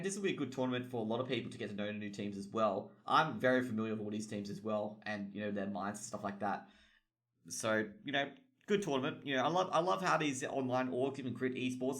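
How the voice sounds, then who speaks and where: With a lowish, slightly bright voice, this young Australian esports caster and streamer host chats informally about tournaments. He rambles, uses lots of filler words, and swears plenty.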